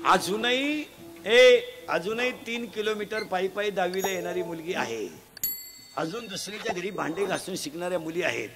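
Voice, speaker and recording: A man preaching a comic devotional sermon, scolding in a folksy way and quizzing the crowd for shouted answers. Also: high voice, lively intonation, moderate pace, loud music behind the voice. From Maharashtra. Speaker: kirtan preacher. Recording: live event with a loud crowd. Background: crowd responding and laughing.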